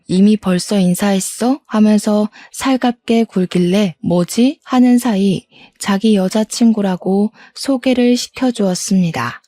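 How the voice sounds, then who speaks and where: A woman's voice: mid-range voice, warm tone, no room sound. A woman in her sixties telling a first-person story in a plain, rueful way. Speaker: narrator.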